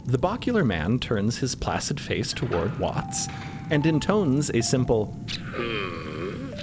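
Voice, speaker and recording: Over clear music, a man narrates a scripted fantasy story with very lively intonation. He is one of several podcast narrators and drops in comic asides. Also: mid-range voice, unhurried.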